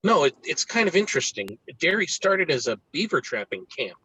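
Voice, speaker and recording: A man's voice: fairly high pitch, big pitch swings, fairly quick, bright, forceful tone, slightly rough, heavily acted, poor audio. A man reading an earnest, awkward, bookish new-kid boy in a screenplay table read, with hesitant, informative delivery. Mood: eager, awkward.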